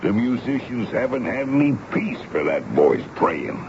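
An actor playing a gruff, folksy army sergeant in a 1970s radio drama, speaking ungrammatically and respectfully to his superior. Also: medium pitch, sing-song, measured pace, a little mellow. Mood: exasperated. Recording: dull, noisy old radio broadcast recording.

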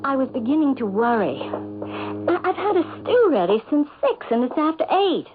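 Anxious wife, thin hissy radio sound. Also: female voice, high-pitched, huge pitch swings, normal speed. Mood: worried. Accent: American. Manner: earnest, emotive, pressing with questions. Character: anxious, insistent wife in a mystery, sharing her fears. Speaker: radio drama actress. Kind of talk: 1970s American radio drama acting. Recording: muffled phone-like radio recording with hiss.

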